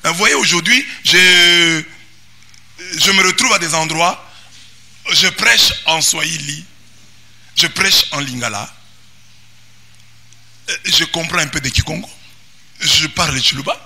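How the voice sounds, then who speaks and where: Man, Congolese French accent, priest, high-pitched, very bright, preaching sermon. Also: a little slow, long pauses. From Democratic Republic of the Congo. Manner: animated preaching, often shouting and singsong. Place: parish church.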